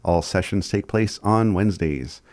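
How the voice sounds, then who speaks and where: A man's voice: low-pitched, normal speed, darkish tone, dry recording. A man with an Indigenous Canadian reservation accent reading community announcements in an informal way, with the odd stumble.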